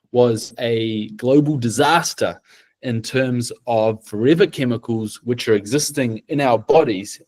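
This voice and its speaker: A middle-aged man with a New Zealand accent, presenting a team project in a deliberate, measured way. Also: mid-range voice, a little mellow.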